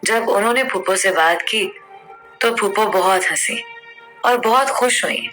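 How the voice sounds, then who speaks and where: A woman narrating a first-person love story in a soft, measured, heartfelt reading. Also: medium pitch, soft background music.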